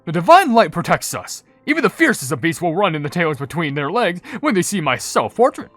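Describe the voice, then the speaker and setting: A man's voice: on the high side, big pitch swings, fairly quick, fairly bright tone, dry recording. A man plays a grandly vain wizard from a cartoon game. He is pompous and sure of himself, speaking in a raised, dry voice over music. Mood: boastful, grand. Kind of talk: cartoon game dialogue read aloud.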